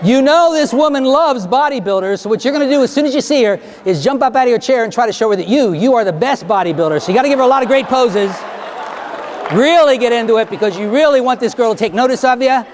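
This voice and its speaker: A man's voice: very high voice, animated, fast talker, some chatter behind. A man performing as a stage hypnotist, giving rhythmic, repetitive commands to volunteers in front of a live audience. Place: theater stage before an audience. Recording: live show with audience and noise.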